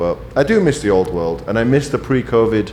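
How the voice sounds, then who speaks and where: Noticeable background noise accompanies a man speaking fairly quickly. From northern England. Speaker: former tech entrepreneur. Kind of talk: casual podcast interview. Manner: laid-back.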